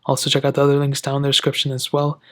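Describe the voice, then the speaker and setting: A man's voice: mid-range voice, completely flat delivery, very fast, a bit bright. A man hosting a casual step-by-step tech tutorial, speaking informally and wordily straight to his viewers. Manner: informal, wordy, addresses viewers directly.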